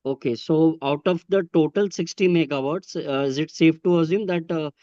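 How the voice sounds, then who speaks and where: A man with an Indian accent asking questions on a business conference call in a halting, wordy, polite way. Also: on the high side, dark tone, no room sound. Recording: muffled, lo-fi conference call audio.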